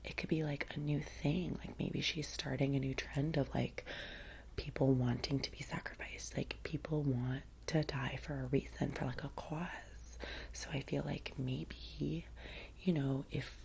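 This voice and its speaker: A woman playing a chatty, vain young assistant to a vampire in a soft-spoken ASMR roleplay, with an American Valley girl accent, breathy and rambling. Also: very deep voice, steady tone, measured pace, slight background noise, full character voice. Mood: musing, upbeat. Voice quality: breathy whisper. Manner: casual, rambling, filler-heavy Valley girl talk.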